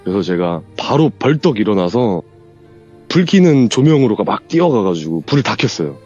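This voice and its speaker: A man with a lowish voice tells a true ghost story as a radio show guest, his pitch rising and falling freely as he acts out what was said. The audio is a little dull, with faint music playing underneath. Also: normal speed. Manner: animated, acts out quoted lines from the story. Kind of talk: casual spoken storytelling on a horror radio show.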